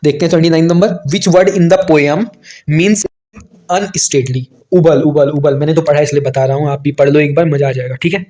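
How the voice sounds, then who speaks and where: Indian male online tutor, young, a bit high, chatty, slow when reading English aloud. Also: steady tone, mellow. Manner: talks to children, repeats "theek hai" often; reads English questions slowly, word by word. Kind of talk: exam solution walkthrough.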